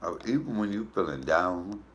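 A man's voice: low voice, expressive, moderate pace, a little hiss or hum. A man in his fifties talking casually on camera while chewing a mouthful of food, blunt and profane. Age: 50s. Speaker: mukbang vlogger. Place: indoors in front of a green wall.

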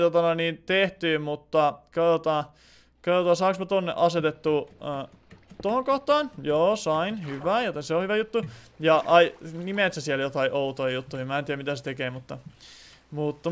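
A man's voice: a little high, smooth. Chatty young man streaming a game. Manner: chatty, thinks aloud, reads chat comments. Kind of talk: casual gameplay commentary.

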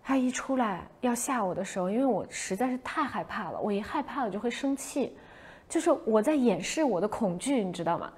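Lively young woman telling a story. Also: fairly high pitch, brisk, husky. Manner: animated, acts out her own past shouts. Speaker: livestream host. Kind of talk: casual livestream storytelling.

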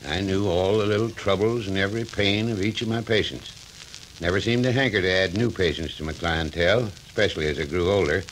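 An older actor playing a genial, coaxing retired country doctor in a 1940s radio drama. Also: male voice, low-pitched, a little fast, close to an everyday voice, low-quality recording. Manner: soothing, folksy, coaxing. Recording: old radio recording with faint hiss.

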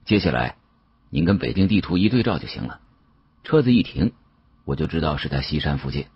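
Man playing a husky, sharp young antique dealer. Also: rumbling low, expressive, no room sound, muffled recording, full character voice. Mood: confident, polite. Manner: deferential, explanatory, quick-witted.

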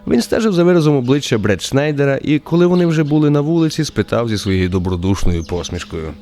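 A man's voice: medium pitch, lively intonation, quick pace, a little mellow, a little hiss or hum. A man narrating a radio play as a scripted, wry literary story. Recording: music under the voice.

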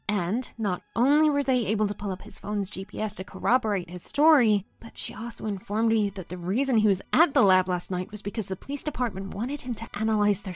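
An actress playing a caring, confiding female friend in an audio drama, soothing and often hushed. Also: medium pitch, no room sound, lightly acted.

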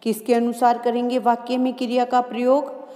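A woman teacher giving a grammar lesson to children. She reads example sentences slowly and answers her own questions. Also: fairly high pitch, flat delivery, dark tone. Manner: slow, deliberate dictation of example sentences. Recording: echoey room with long reverb.

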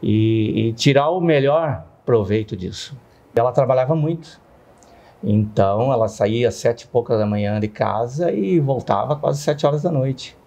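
A man's voice: mid-range voice, expressive, normal speed, gravelly, dark tone. A man, sharing personal experience conversationally and often adding tag questions for agreement. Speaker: interview guest.

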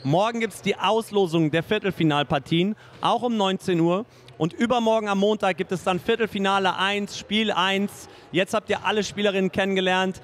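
Middle-aged guy hosting, high voice, chatty, says nice a lot, handheld mic. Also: fairly even intonation, moderate pace, a bit bright, slight background noise. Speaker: host, interviewer. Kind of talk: hosted interview and announcements. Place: indoor studio in front of a sponsor wall.

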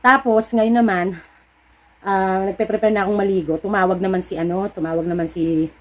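Speaking at medium pitch with fairly even intonation and a fairly quick pace, this middle-aged sari-sari store owner and vlogger talks casually to her audience. She mixes chatty stories, complete with acted-out dialogue, with preachy, encouraging pep talks.

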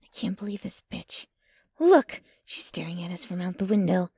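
A woman's voice: on the low side, expressive, normal speed, darkish tone, no echo. A woman playing a jealous, possessive, dominant yet clingy young girlfriend in an intimate, whispery ASMR roleplay, close to the microphone. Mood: angry. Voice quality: breathy, whispery. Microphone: close microphone, dry.

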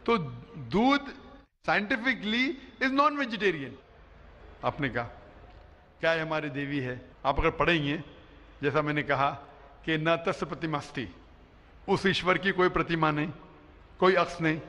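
Emphatic high-voiced male preacher in a hall. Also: unhurried, long pauses, sharp tone. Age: middle-aged. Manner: emphatic, explanatory, often asks "you understand?". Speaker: Islamic preacher answering audience questions. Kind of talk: public question-and-answer lecture. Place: huge indoor arena stage before a large crowd. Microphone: stand microphone. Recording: long hall reverb.

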